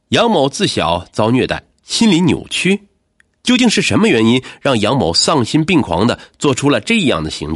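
A male true crime narrator with a lively, widely swinging intonation. He reads a scripted case in a dramatic news-report register, and the sound is dry and close. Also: mid-range voice, no room sound.

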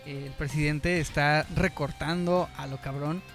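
A man's voice: fairly high pitch, fairly even intonation, measured pace, fairly bright tone, soft background music. A young man with a Mexican accent co-hosting a casual podcast, bantering in joking, slangy Spanish. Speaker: podcast co-host. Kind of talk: casual chat.

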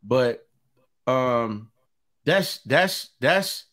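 A man's voice: lively intonation, extremely slow, a bit bright. A man co-hosting a casual podcast chat, often restarting and trailing off mid-thought. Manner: trailing off, stumbling restarts, low-key interjections. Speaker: podcast co-host.

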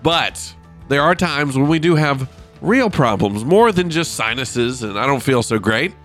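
A man hosts a devotional podcast, talking in a casual, informal, self-deprecating way into a close microphone. Blocked sinuses make him sound nasal, as though pinching his nose, and his mid-range, fairly bright voice is unhurried with lively intonation. Soft music plays in the background.

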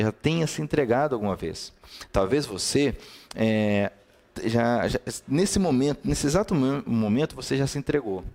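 A Brazilian-accented man leads a streamed devotional talk in a middle-pitched voice. His manner is easy and conversational. He lists key words one by one and greets viewers by name between points. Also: a little mellow. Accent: Brazilian Portuguese. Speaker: preacher.

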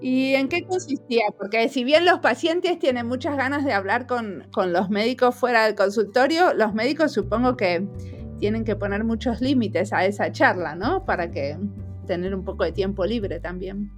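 A woman hosting a podcast, reading a measured introduction and then asking interview questions. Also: a little high, faint music behind. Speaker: podcast host.

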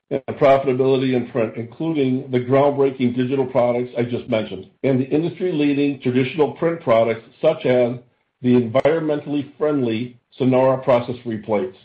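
Male executive, mid-pitched voice, scripted earnings call, formal and measured, dull roomy conference audio. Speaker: company chief executive.

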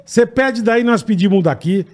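High-voiced Brazilian man, slangy co-host. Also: moderate pace, a little mellow. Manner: slangy, exclamatory, swearing freely. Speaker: podcast co-host. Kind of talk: casual chat with live ad reads.

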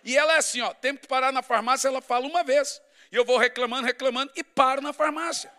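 A middle-aged man preaches a sermon in a very high, bright and forceful voice. He tells stories with humor and swings between loud bursts and hushed asides. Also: fairly even intonation, fast talker. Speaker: pastor.

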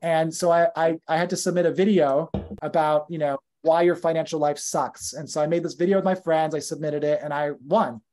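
Brisk and fairly even in intonation, the speaker is a thirty-something North American company founder whose high-leaning, darkish voice carries his story on a laid-back podcast. He talks chattily, restarting and correcting himself amid plenty of fillers.

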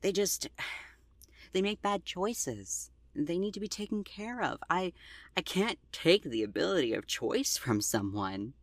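A woman plays an anxious young driver in an audio drama. The voice is low and swings widely in pitch, earnest and gentle, with halting, stammered phrases. It is recorded very dry. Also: big pitch swings, no room sound, full character voice. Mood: anxious, distressed. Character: anxious, gentle twenty-year-old driver with magic.

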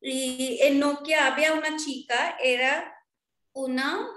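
Guest: Indian woman, native Marwari, slow and careful, pauses to find words. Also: high-pitched, steady tone, fairly bright tone, echoey room. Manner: hesitant, searching for words. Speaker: guest, Spanish teacher. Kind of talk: interview.

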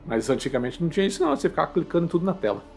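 A man's voice: on the high side, lively intonation, rapid-fire, gravelly, soft background music. A Brazilian man co-hosting a podcast, chatting in an informal, colloquial way about games. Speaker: podcast co-host. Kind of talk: casual chat about video games.

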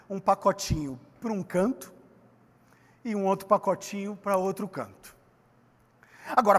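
A man with a Brazilian Portuguese accent preaching a lively sermon in a church, joking and speaking straight to the congregation. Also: sits high. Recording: long hall reverb.

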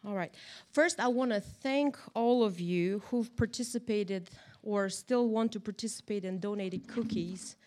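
A woman leads a church Bible lesson. She talks in a chatty, lively way and keeps checking in with her listeners. Her voice sits at an ordinary middle pitch for a woman. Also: unhurried, hardly any pauses. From Moldova. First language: Russian or Romanian. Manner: chatty, animated, tag questions. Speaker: Bible study teacher. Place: church room, in front of a group.

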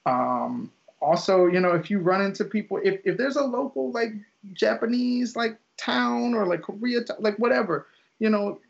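A man's voice: high voice, lively intonation, moderate pace, creaky. A young man, a teacher, chatting casually as an interview guest, rambling with lots of fillers and restarts. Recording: dull lo-fi audio.

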